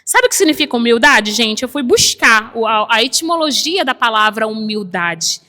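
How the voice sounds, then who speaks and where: São woman preaching, bright voice, chatty and emotional, lots of echo from the church. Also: fairly high pitch, sing-song, moderate pace. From Brazil. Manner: emotional, conversational, frequent "né?" asides. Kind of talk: sermon with personal story. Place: church chapel.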